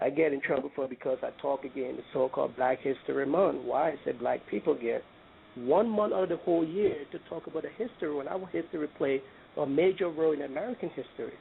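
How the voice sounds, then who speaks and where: Speaking at a very fast pace, a man with a fairly high pitch and ordinary pitch variation comes through noticeable background noise. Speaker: caller. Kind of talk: casual chat.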